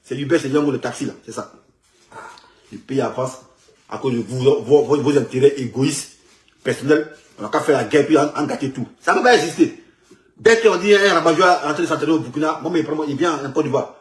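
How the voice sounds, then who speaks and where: Fast-talking Ivorian man, echoey room. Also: on the high side. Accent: Ivorian French. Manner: animated, repetitive, loops back on his words. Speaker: man in a circulated video clip. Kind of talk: rambling street commentary.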